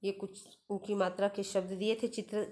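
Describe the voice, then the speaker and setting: A woman teaching a first-grade Hindi lesson, slowly spelling out each syllable before saying the whole word. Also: mid-range voice, little pitch movement, darkish tone. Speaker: primary school Hindi teacher. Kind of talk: online class lesson, reading words aloud syllable by syllable.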